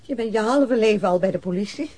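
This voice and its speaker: An actress playing a nagging, thrifty middle-aged wife, fretful and reproachful, in an old radio play. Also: female voice, mid-range voice, fast talker, mellow, close to an everyday voice. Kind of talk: naturalistic radio play acting.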